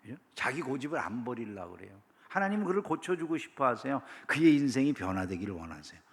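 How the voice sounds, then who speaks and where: A man's voice: mid-range voice, big pitch swings, quick pace, in a large hall. A man preaching a sermon as pastor, talking conversationally and often asking the congregation questions. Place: church sanctuary.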